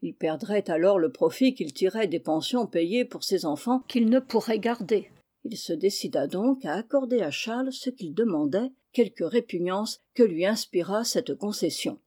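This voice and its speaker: Mellow-voiced woman reading a novel aloud. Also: mid-range voice, animated, breathy edge. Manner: measured storytelling. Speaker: audiobook narrator. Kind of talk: scripted literary narration.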